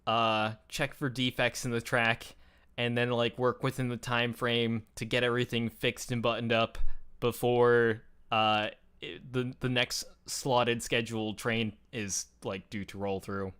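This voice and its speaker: A man's voice: mid-range voice, little pitch movement, unhurried, fairly bright tone, clean tone. A man chatting casually and explaining things in a conversational, enthusiastic way, as a show host.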